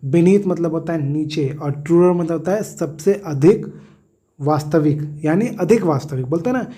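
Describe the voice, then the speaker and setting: Guy teacher going thru a lesson, kinda high voice but mellow, keeps asking ok right?. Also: moderate pace. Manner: repeats tag questions, self-corrects, explains with everyday examples. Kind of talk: explaining a textbook lesson.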